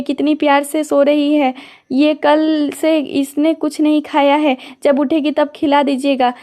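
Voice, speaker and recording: High, gravelly woman storyteller. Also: darkish tone. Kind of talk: scripted narration of a romance drama.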